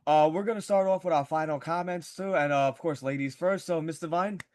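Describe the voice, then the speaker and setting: A man hosting a casual panel chat in an informal, slightly halting way. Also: on the high side, a little mellow, no echo, clean studio sound. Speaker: panel show host.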